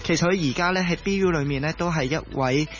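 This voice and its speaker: A man's voice: a little high, fast talker, dull audio. A man with a Hong Kong Cantonese accent co-hosts conversationally, stretching his phrases with particles and hesitations. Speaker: radio co-host. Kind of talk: conversational hosting and anecdotes.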